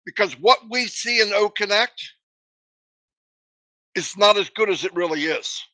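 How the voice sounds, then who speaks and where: A man's voice: high voice, animated, measured pace, sharp tone, no echo. A man hosting a motivational livestream, emphatic and repetitive, with a runny nose and a cough. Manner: emphatic, repetitive, preachy pep talk. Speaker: livestream host.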